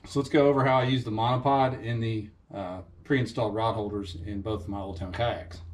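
Relaxed man in his garage. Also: fairly low pitch, brisk, a little hiss or hum. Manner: relaxed, conversational, frequent "uh" fillers. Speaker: fishing channel host. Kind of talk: casual how-to vlog. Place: home garage workshop, indoors.

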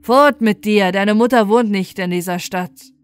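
A woman voicing a gruff, mocking male soldier in a fairy tale, harsh and emphatic. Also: medium pitch, unhurried, no room sound, natural voice. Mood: scornful.

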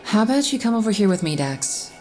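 A woman's voice: mid-range voice, big pitch swings, fast talker, darkish tone, faint music behind, lightly acted. A woman playing a tired, caring, polite carer of a teenager in an audio drama. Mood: gentle.

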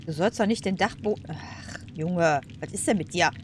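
A woman gives casual commentary as she plays a game, thinking aloud in slangy, informal talk. Her voice is on the low side, with clear game ambience behind it. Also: normal speed, a little hiss or hum. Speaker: let's play host.

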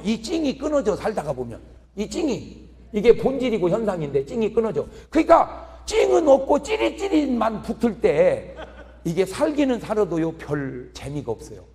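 Man preaching a funny revival sermon, high voice swinging all over, long echo in a big church hall. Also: normal speed. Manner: animated, joking, chuckles through lines. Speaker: pastor.

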